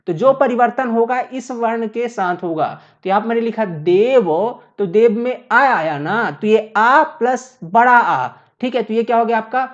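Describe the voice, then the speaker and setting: A woman's voice: a little high, normal speed, few pauses, dull audio. A woman teaching a lesson at a board, explaining step by step and asking questions she then answers herself. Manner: repeats points, asks and answers her own questions. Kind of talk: classroom lecture at a board.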